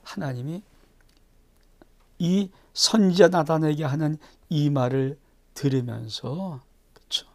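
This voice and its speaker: A male pastor reading and preaching through a Bible chapter. He keeps asking the congregation questions and swings from loud bursts to near-whispers. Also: on the high side, slow pace, long pauses.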